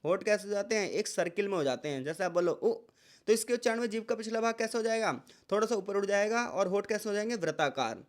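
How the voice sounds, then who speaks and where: High-voiced man teaching conversationally. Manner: conversational, repeats points, addresses students as bhai; draws out example sounds slowly. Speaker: tutor. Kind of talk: exam-prep lecture.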